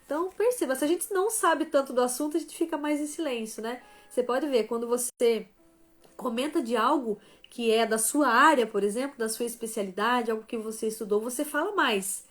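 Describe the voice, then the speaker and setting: A woman giving a motivational Christian talk on a live stream, tagging phrases with "né?" and "tá?" and shifting between softer and stronger emphasis. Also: on the high side, brisk, soft background music. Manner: tags most phrases with "né?" and "tá?"; greets viewers by name mid-talk. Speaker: live stream host and author.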